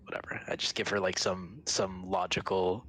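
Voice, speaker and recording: A man's voice: sits low, flat delivery, moderate pace, fairly bright tone, slight background noise, low-quality recording. A man playing a tabletop game, talking in character with a rambling, joking, teacherly manner. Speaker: player.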